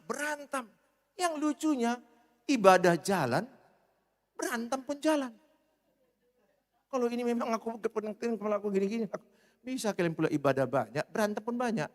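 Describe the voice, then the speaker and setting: A male pastor delivers a sermon in a humorous, animated way. His voice sits high and swings widely in pitch. The sound carries the long reverb of a church hall.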